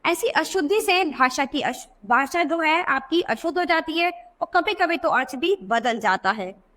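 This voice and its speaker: A woman's voice: high voice, expressive, fairly bright tone. A woman teacher explaining spelling corrections in a classroom lesson, asking questions and answering them herself. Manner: slow deliberate word-by-word examples. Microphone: voice-over for a video book.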